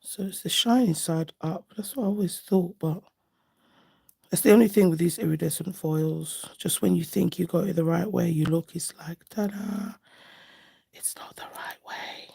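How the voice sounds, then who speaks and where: Casual livestream host: woman, slightly lower-pitched, gravelly and hoarse, chatty and affectionate. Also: moderate pace, warm tone. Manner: chatty, affectionate, thinking aloud. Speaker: nail art livestream host. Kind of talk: casual live chat while doing nails.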